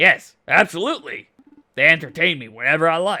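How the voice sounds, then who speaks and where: A man's raspy, put-on character voice, high in pitch, with ordinary pitch variation at a moderate pace. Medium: virtual streamer. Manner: haughty, scornful.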